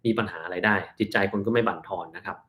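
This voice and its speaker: On a live stream, a male doctor reads viewers' health questions aloud and answers them plainly and calmly, slowing down whenever he explains a term. His voice is on the low side.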